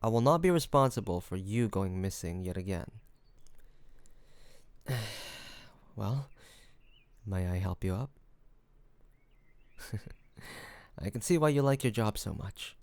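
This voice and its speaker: A man playing a charming, hospitable mafia boss in an intimate audio roleplay, talking in a relaxed, playful, teasing way to one listener. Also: fairly low pitch, slow, pauses often. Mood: flirty, teasing, then warm, easygoing. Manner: relaxed, playful storytelling with frequent soft chuckles.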